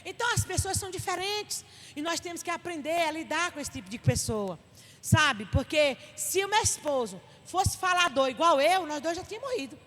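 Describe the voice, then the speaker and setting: A middle-aged woman pastor with a Northeastern Brazilian accent gives an animated, emphatic church Bible study talk. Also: very high voice, moderate pace. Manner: animated and emphatic, acting out little dialogues. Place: church hall. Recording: reverberant church hall with faint noise.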